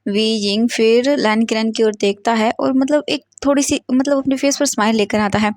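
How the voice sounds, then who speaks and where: A woman's voice: on the high side, fairly even intonation, moderate pace, a little mellow. Young woman narrating her own fan story. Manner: plain retelling with "matlab" fillers. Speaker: fanfiction narrator. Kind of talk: storytelling read-aloud.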